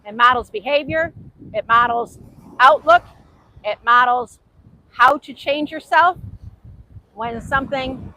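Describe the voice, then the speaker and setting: A high, bright-voiced woman with a Hungarian accent talks earnestly to the camera outdoors by the beach. She is a native Hungarian speaker who overpronounces her words and circles back to repeat her points, with a brisk, crisp edge to her tone. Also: a little hiss or hum, low-quality recording. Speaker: author and host. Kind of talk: motivational faith talk to camera.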